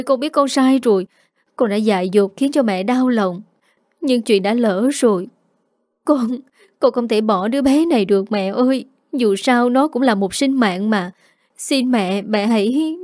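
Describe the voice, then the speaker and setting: A woman's voice: fairly high pitch, moderate pace, a little mellow, no echo, lightly acted. Young daughter, pleading, apologetic, dry close sound, woman reading aloud.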